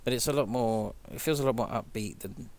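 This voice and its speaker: A man's voice: medium pitch, a little fast, a little mellow. A man in casual chat about music, enthusiastic and chatty, laughing easily as he talks.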